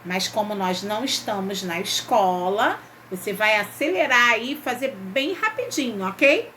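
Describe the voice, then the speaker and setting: Bright-voiced woman teaching a lesson. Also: medium pitch, expressive, a little slow, a little hiss or hum. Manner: patient, checks in with "ok?" and "né?". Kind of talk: remote Portuguese lesson, reading a textbook exercise.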